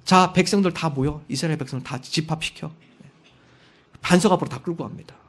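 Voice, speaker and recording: A male pastor preaches a Sunday sermon in a high, bright voice. He tells stories and acts out the quoted words of the people in them, pushing certain lines out loudly for emphasis. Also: fairly quick. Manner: storytelling with acted quotes; rising to loud emphasis on key lines.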